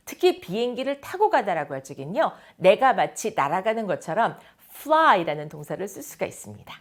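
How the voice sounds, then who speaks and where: A woman teaching an English lesson on radio, explaining patiently and repeating English phrases slowly for practice. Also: medium pitch.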